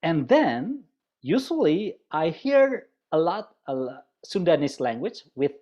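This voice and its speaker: A man's voice: fairly high pitch, sing-song, darkish tone. Chatty Indonesian-accented man on a muffled call. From West Java, Indonesia. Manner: chatty, draws in listeners with questions; halting, with frequent restarts. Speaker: university lecturer presenting. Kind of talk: webinar presentation.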